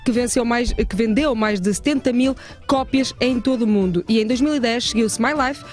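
A woman's voice: a little high, normal speed, soft background music. A woman with a European Portuguese accent co-hosting a live show in an informal, playful and chatty way. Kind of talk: casual, chatty presenting.

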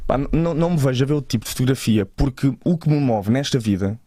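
Fast-talking Portuguese man, dry close sound. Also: mid-range voice, animated, warm tone, no echo. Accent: European Portuguese. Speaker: interview guest, advertising creative and photographer. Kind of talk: casual conversational interview.

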